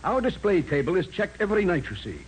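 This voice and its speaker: An actor playing a deferential, apologetic general manager in a 1940s radio drama. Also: male voice, high voice, very animated, fast. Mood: deferential, anxious. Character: deferential, eager male company general manager. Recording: faintly noisy old radio recording.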